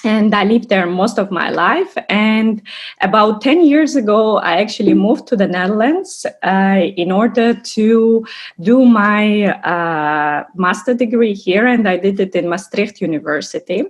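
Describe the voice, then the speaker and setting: A woman's voice: mid-range voice, lively intonation, measured pace. Woman giving a careful online lecture. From Armenia, raised in Russia. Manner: careful, explanatory, with frequent restarts. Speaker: assistant professor, course coordinator.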